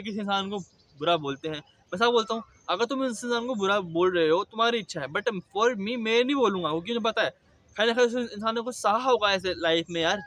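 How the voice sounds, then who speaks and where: A man's voice: sits high, sharp tone, slight background noise. A man giving earnest life advice in a casual motivational talk, explaining patiently and dropping in English words.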